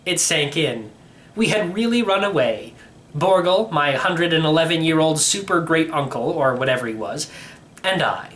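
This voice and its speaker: A man's voice: fairly high pitch, animated, normal speed, fairly bright tone. A man reading a children's story aloud as a first-person narrator. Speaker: audiobook reader.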